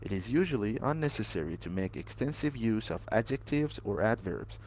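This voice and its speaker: A man's voice: fairly low pitch, very animated, brisk, darkish tone, a little hiss or hum. A man reading scripted academic passages aloud with careful, formal delivery. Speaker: exam practice reader.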